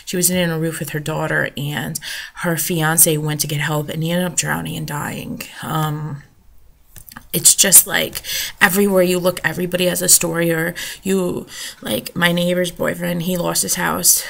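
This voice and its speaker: An American woman giving an unscripted, serious personal vlog account in a halting, rambling way, with a gravelly fry in her voice. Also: lowish voice, flat delivery. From United States, New Jersey shore. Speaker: vlogger, storm survivor.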